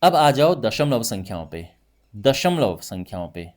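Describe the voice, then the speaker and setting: A male math teacher giving a lively classroom lesson, talking through each point with frequent check-ins to his students. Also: fairly low pitch, measured pace. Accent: Hindi.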